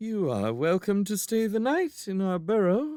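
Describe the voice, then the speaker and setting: A man puts on a character voice that sounds strained and high-pitched. He keeps a moderate pace and very even loudness throughout. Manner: tense, forced politeness.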